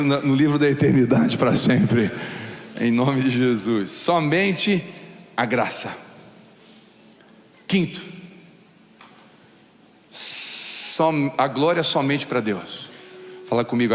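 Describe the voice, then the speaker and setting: A man with a Brazilian Portuguese accent, a pastor preaching a sermon in a church hall and acting out excited voices as he tells stories. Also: medium pitch. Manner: lively storytelling, acts out excited voices.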